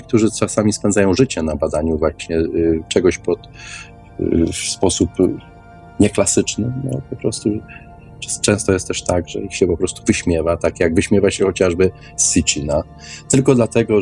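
A man's voice: fairly low pitch, warm tone. A man in an informal, opinionated radio discussion, speaking emphatically and often repeating words. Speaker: guest in an online radio debate.

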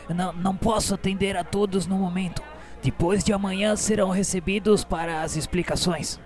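A man's voice: high-pitched, steady tone, fairly quick, voice pushed up, lightly acted. Male actor as patient spirit elder-in-charge for radio drama: solemn, firm, formal exhortation, music underneath. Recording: music behind the voice.

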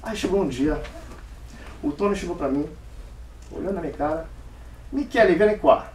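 A man's voice: fairly high pitch, fairly quick, a little hiss or hum. A man giving a storytelling speech at a club meeting, acting out the dialogue in different voices. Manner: animated, acts out dialogue in varied voices. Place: meeting room. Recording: echoey room from far off.

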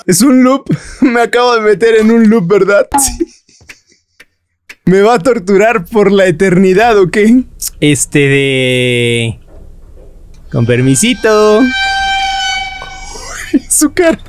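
A man's voice: sits high, lively intonation, a little slow, darkish tone, slight background noise. A man commenting on a horror game he is playing, joking and breaking into nervous laughs and shrieks. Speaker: gaming YouTuber.

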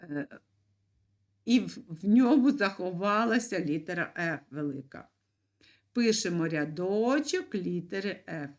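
Woman teacher doing a kids video lesson, slow and careful, voice bouncing up and down a lot. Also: fairly low pitch, animated. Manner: slow, clear, encouraging, with sing-song emphasis. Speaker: primary school teacher. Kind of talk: video lesson for young children.

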